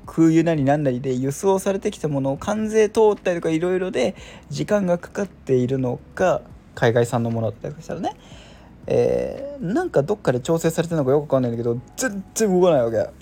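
A man's voice: on the high side, sing-song, fast talker, gravelly, dark tone. A man hosting a casual solo chat show, rambling and self-deprecating with lots of filler words. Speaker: podcast host.

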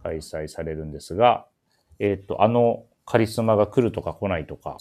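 A man's voice: lowish voice, normal speed, a little mellow. A man hosting a casual radio show, speaking politely with a teasing touch over a remote connection.

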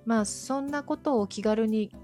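A woman's voice: fairly high pitch, moderate pace, dark tone, soft background music. A woman talking casually and politely as a podcast guest, chatty and modest about herself. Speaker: podcast guest, audio streamer. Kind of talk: casual interview chat.

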